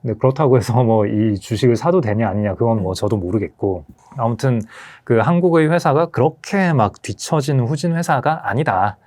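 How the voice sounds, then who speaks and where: A man who runs an asset management firm talks through markets and technology as an interview guest. His voice sits at a middle pitch and moves up and down a lot. He lays out his points in a measured, explanatory way. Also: expressive, a little mellow.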